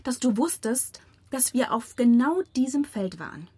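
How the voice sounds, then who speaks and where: A bitter female activist with a fairly high, breathy voice. Her delivery is pointed and accusing, in naturalistic radio drama dialogue. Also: lively intonation, moderate pace, mellow. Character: resentful young activist confronting a friend, accusing and bitter.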